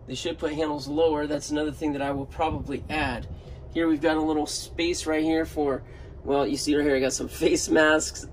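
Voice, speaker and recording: In a casual walkaround video, a man with a slightly high voice shows the interior of a parked van on his handheld phone. He talks in a loose, offhand way, musing aloud, with a little background noise.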